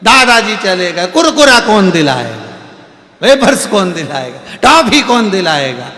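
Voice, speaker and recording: A man's voice: sits high, sing-song, a little slow, sharp tone, exaggerated voice. A man doing a cheeky little grandson. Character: small grandson, cheeky and greedy for snacks. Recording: echoey hall with faint music.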